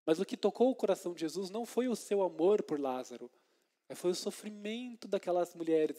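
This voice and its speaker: Male deacon, mellow and somewhat high, chatty sermon style, keeps asking "right?", acts out scenes. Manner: conversational preaching with frequent tag questions; retells scripture in lively dramatized scenes. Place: church.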